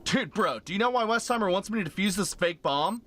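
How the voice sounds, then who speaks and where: A man voicing a laid-back, dim young bro in an animated comedy. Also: high-pitched, a little fast, very noisy. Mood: worried.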